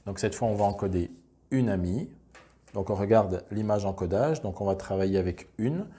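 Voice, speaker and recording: Homme calme, voix grave et douce, qui explique pas à pas. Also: male voice, fairly low pitch, moderate pace. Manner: calm, step-by-step, explanatory. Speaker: teacher explaining a reading method. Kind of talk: instructional demonstration.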